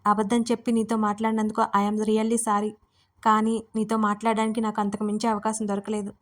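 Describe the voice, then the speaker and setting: A woman's voice: mid-range voice, monotone, fairly quick, lightly acted. A woman voicing a nervous, deceitful young man who speaks evasively and pleads in a Telugu audio story. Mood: pleading.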